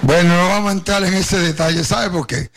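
An older Puerto Rican man preaches his personal testimony, speaking straight to his congregation as he recounts his story. His high voice is fairly quick and a bit bright, with a Caribbean Spanish accent touched by Cuban influence, and there's slight background noise.

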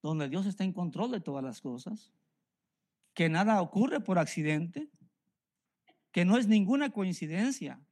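High-voiced Mexican preacher. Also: male voice, expressive, a little slow, long pauses, darkish tone. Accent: Mexican Spanish. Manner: earnest, repeats phrases for emphasis. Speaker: pastor. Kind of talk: sermon.

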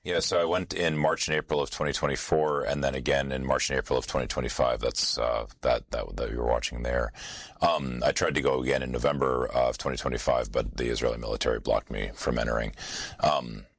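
A middle-aged American man, a trauma surgeon, giving earnest, measured interview answers in a studio, with frequent fillers. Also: rumbling low, fairly even intonation, no room sound. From United States.

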